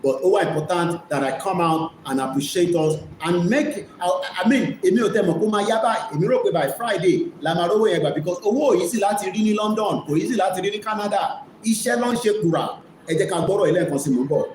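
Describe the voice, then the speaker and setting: Speaking fast with hardly any pauses, this man has a high-pitched, somewhat mellow voice and a Nigerian Yoruba accent. As host of an online media broadcast, he gives emphatic live commentary in two languages, repeating key phrases. It's recorded in an echoey room with faint noise.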